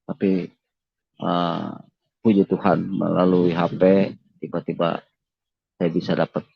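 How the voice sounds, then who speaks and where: A man's voice: low-pitched, gravelly, breathy edge, no room sound. A man giving an emotional personal testimony in an interview, earnest, repeating himself and politely addressing his listener as sir. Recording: dull lo-fi dry recording.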